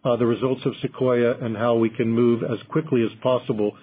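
A man with a rough, husky voice answers as a company executive on a conference call. His phrasing is formal, measured and carefully qualified. The sound is thin and phone-like. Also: medium pitch, fairly even intonation. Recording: muffled narrow phone line.

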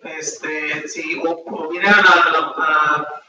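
A man's voice: fairly high pitch, steady tone, slow, muffled recording. A young man, a priest, leading mass prayers and making informal announcements with many fillers. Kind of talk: celebrating mass and giving announcements. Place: small chapel with altar, indoors. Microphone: far camera. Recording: echoey room from far off, faint noise.

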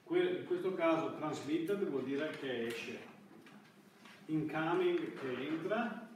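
Middle-aged guy teaching a class, stops and starts, far from the mic, bit of noise. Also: fairly high pitch. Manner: halting, hesitant delivery with broken-off words. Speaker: university lecturer. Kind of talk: classroom lecture. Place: university classroom, indoors. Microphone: far camera at back of room. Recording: echoey room, distant microphone, background noise.

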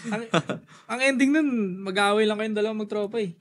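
A man in a casual podcast chat, quick and engaged, asking follow-up questions. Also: high-pitched.

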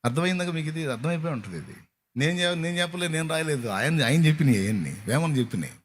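A man's voice: a little high, lively intonation. Preaching man firing rhetorical questions. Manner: rhetorical questions, chants verses slowly. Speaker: pastor. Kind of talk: sermon. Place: church hall at an all-night prayer.

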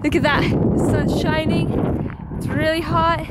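A young woman talks to her handheld camera on a road trip, her voice fairly high. She is playful and teasing, and loud wind and outdoor noise sit under everything she says. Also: little pitch movement, unhurried. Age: young adult. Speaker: vlogger. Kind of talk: casual vlog chat. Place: outdoors on country roads and in a car. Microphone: handheld camera at arm's length.

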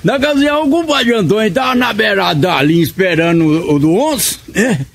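Husky caipira joke-teller man. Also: high-pitched, lively intonation, brisk, dry recording. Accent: Brazilian caipira (Minas Gerais countryside). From Brazil. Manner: laughs at his own jokes, drawls country speech. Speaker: comedian telling jokes.

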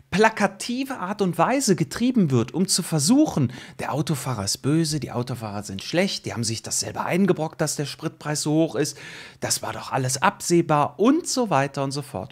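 A man's voice: fairly high pitch, sing-song, normal speed. A man in his late thirties giving opinionated commentary to camera, emphatic and indignant, full of rhetorical questions, close on a studio mic at home. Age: late 30s. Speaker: YouTube host and commentator. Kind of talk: opinionated reaction commentary, reading an article aloud. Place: small home studio room, indoors. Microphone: close microphone on a boom arm.

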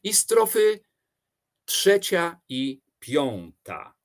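Guy explaining a poem like a teacher, slow and lively in pitch. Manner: measured, explanatory, with expressive rises and falls. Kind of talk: literature lecture.

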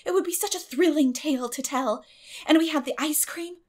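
Woman acting a storybook orphan girl, high-pitched, dramatic, gushing, flowery, imaginative. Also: fairly quick, close to an everyday voice.

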